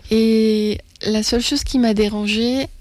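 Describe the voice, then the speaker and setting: A woman's voice: a little high, fairly even intonation, unhurried, darkish tone, no room sound. A woman reviewing comics in casual radio chat, hesitant, with many restarts and fillers.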